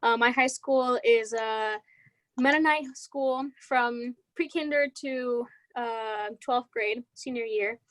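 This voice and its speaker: A young Puerto Rican woman with a Spanish accent and a fairly high voice, answering panel questions. She pauses often, fills gaps with "um" and restarts her words, since Spanish is her first language. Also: expressive, fairly bright tone, poor audio. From Puerto Rico. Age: young adult. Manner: hesitant, many fillers, restarts words. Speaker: student panelist.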